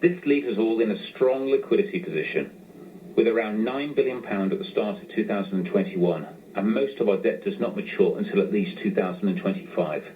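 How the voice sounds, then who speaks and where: Low-voiced man on a noisy phone line. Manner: measured, formal delivery. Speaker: company finance executive. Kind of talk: scripted corporate presentation. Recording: tinny phone-line sound with clear noise.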